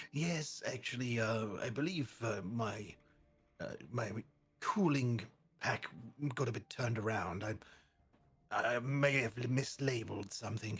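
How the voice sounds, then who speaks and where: Using a put-on character voice, a man speaks raspily at medium pitch and a moderate pace, with long, frequent pauses. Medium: actual play. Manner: stammering, hesitant.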